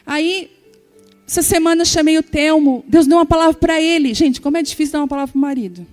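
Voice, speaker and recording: A woman's voice: high-pitched, fast, a little mellow, soft background music. A woman preaching a sermon, telling a personal story and acting out the dialogue as she speaks to the congregation. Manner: storytelling, acting out dialogue, addressing the audience directly.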